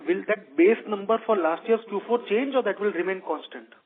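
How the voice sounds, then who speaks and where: A man's voice: sits high, fairly quick. A man politely putting questions as an investor on a conference call. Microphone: phone conference call. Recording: tinny narrowband phone line.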